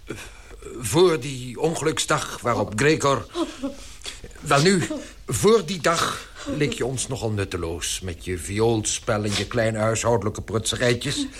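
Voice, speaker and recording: A stern, pompous family father in a radio play, acted by a man. His middling-pitched voice leaps about as he halts and then lays down the law, with slight noise on the recording. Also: expressive, close to an everyday voice. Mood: solemn, halting. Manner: pompous, halting then commanding. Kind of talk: Dutch radio drama acting.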